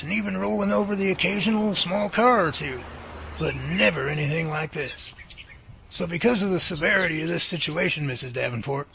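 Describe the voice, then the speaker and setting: A man's voice: fairly high pitch, creaky, sharp tone, a little hiss or hum. A man playing an earnest, reassuring professor who studies Bigfoot, explaining things emphatically in a radio drama. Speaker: Bigfoot researcher character. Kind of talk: amateur radio drama dialogue.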